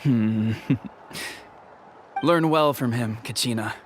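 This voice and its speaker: A man voicing a protective, plain-spoken tribal chief in a video game, middle-aged, measured, guarded and authoritative. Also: mid-range voice, background noise, natural voice. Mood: respectful, calm. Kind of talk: video game character dialogue. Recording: loud game music behind the voice. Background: game music.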